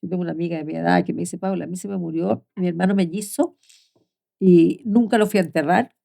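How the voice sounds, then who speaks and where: In a conversational interview, an older woman recounts moving family stories in a lowish, steady, slightly gravelly voice, talking fast. She repeatedly sinks to a gentle hush, then brings her voice back up.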